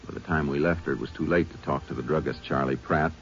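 A man acting as a calm, methodical Texas Ranger in a 1950s American radio drama, speaking in a measured, matter-of-fact way. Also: extremely low pitch. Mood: measured narration. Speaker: lead actor and narrator. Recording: dull old radio recording, faint music.

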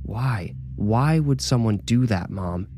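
Deep-voiced impatient grown son , voiced by a man. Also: lively intonation, slow pace, warm tone, faint music behind. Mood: patient, reasoning. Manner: firm, dismissive, questioning. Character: impatient, busy grown son, rational and exasperated. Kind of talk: audiobook character dialogue.

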